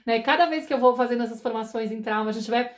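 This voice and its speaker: Woman in her forties, parenting mentor on a live stream; rapid, slightly high voice, chatty, acts out worried inner voices. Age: 40s. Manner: fast, conversational, often asks "entendeu?"; acts out anxious inner thoughts.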